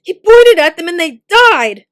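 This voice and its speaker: A woman's voice: extremely high pitch, fairly even intonation, normal speed, voice pushed up. A woman voicing a terrified, scorched young man who shrieks and sobs. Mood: frantic. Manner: shrieking, gasping, near tears.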